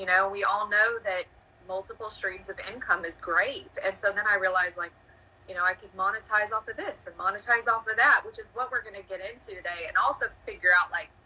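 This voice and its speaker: In a Texas accent, a woman talks fairly quickly at a medium pitch with ordinary pitch variation. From West Texas. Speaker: social media coach. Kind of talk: interview.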